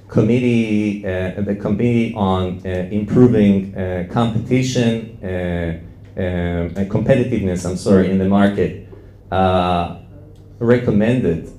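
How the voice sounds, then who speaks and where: A man in his forties giving an academic panel presentation in a halting, explanatory way into a handheld microphone. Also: lowish voice, mellow. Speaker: law professor, conference panelist. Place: classroom-sized indoor conference room with audience. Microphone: handheld microphone close to mouth. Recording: roomy, echoing conference room sound.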